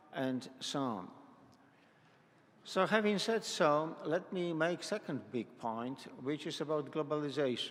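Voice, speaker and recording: A man with a Polish accent speaks at a fairly slow pace, his pitch fairly high and his intonation lively. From Poland. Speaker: economics professor. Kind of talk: conference talk.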